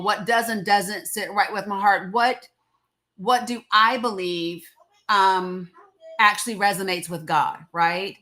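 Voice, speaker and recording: A woman host from the South, talking in a quick, rambling way and often restarting her sentences. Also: mid-range voice, pushed and bright. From Southern United States. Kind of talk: casual chat.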